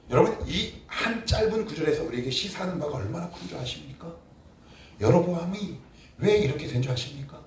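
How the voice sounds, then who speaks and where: A male pastor preaching a sermon emphatically, posing rhetorical questions and answering them himself, moving between quiet and forceful delivery. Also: fairly high pitch. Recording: roomy echo, distant mic, faint noise.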